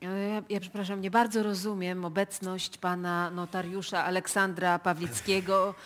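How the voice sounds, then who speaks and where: An actress playing a formal, impatient, sceptical prosecutor in a live radio play. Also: female voice, lowish voice, little pitch movement, moderate pace, a bit bright, natural voice. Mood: puzzled. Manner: questioning, impatient.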